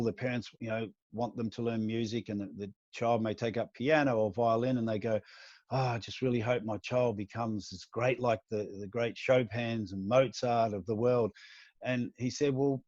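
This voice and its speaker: A male co-host tells long stories in a rambling, casual way, correcting himself as he goes. His voice is mid-pitched. The sound is dull, dry and lo-fi. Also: a little mellow, no room sound. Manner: rambling storyteller with many restarts. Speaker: podcast co-host. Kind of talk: casual interview talk.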